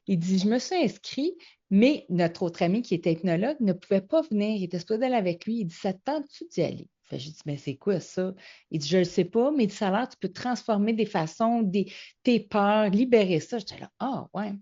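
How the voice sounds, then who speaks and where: Middle-aged woman, Québécois accent, animated storyteller guest, slightly dull recording. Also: medium pitch, brisk. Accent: Québécois French. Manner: animated storyteller, acts out quoted dialogue. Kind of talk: casual storytelling interview. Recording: slightly muffled lo-fi audio.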